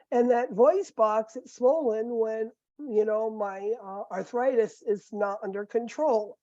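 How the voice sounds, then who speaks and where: A middle-aged female nursing professor gives a conversational recorded lecture packed with fillers and asides. Her voice is squeaky but warm, and the recording sounds dull and muffled, though without echo.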